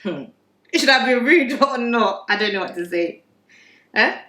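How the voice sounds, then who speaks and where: A woman on a discussion panel talks in a casual, lively way, laughing and swearing as she goes. Her voice is bright and fairly high. It reaches the mic from across an echoey room. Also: unhurried, distant mic.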